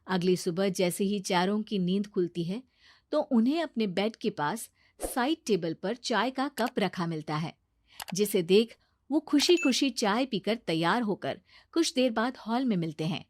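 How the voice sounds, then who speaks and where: A woman narrating a cartoon story in a steady, plain storytelling manner. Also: mid-range voice, a little slow, no echo.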